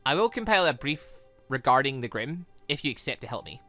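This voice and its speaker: A man voicing a serious, guarded young female hunter in a visual novel, measured and matter-of-fact. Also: mid-range voice, sing-song, pushed and bright, soft background music. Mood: serious, subdued. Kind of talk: visual novel dialogue reading.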